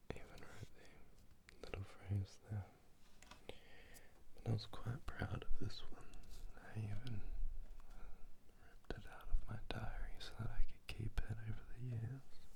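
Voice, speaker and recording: Whispering at a fairly slow pace, a man leaves long, frequent pauses, his loudness swinging widely. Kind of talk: ASMR talk to camera. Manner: whispered and soft-spoken.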